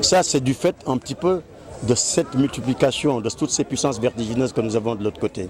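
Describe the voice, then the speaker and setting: Crowd noise fills the background as a man speaks at a moderate pace with ordinary pitch variation. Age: 60s. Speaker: painter presenting his artwork. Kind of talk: interview monologue. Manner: formal.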